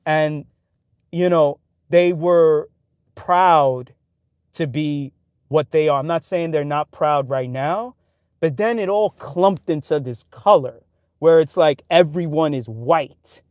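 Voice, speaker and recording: A born-and-raised New Yorker speaks off the cuff in a livestream, slangy and full of filler. His voice sits a little on the high side. The sound is dry, with almost no room echo. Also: slow pace, darkish tone, clear, resonant tone. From New York City. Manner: loose street talk full of "like", "yo" and "right?". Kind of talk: casual opinionated monologue.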